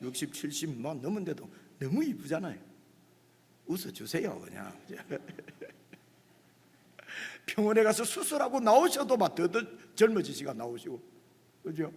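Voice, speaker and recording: A man preaches in a chatty, animated way, often turning to the congregation for agreement. His voice sits high and swings widely in pitch, with a husky edge. A long reverb trails his words through the church. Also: a little slow. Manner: animated, conversational preaching with rhetorical asides to the congregation. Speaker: pastor. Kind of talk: sermon. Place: church sanctuary.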